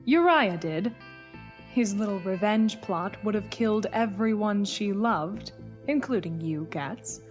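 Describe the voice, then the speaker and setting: An actress playing a cold, commanding villain in an audio drama, measured and menacing in manner. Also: female voice, mid-range voice. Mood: scornful, menacing. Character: cold, commanding female villain, leader of conspirators.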